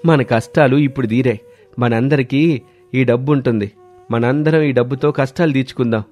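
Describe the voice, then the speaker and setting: A man acts out an earnest villager from a storybook moral tale. He speaks deliberately, like someone teaching a lesson, at a middling pitch. Music plays behind him. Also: darkish tone, natural voice. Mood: earnest, advising. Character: villagers in a moral tale: greedy farmer and wise elder. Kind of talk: acted dialogue in a Telugu moral story.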